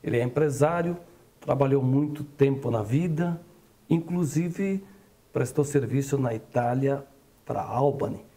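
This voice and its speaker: A male TV host with a gravelly, dark voice, warmly steering his guest through a sit-down interview. He asks leading questions in a relaxed, friendly way. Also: mid-range voice, unhurried.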